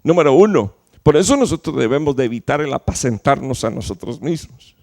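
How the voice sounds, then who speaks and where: A man preaching a sermon to his church, emphatic, with rhetorical questions and sudden loud peaks followed by low, quiet drops. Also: animated, brisk. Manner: fillers and restarts while explaining. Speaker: pastor.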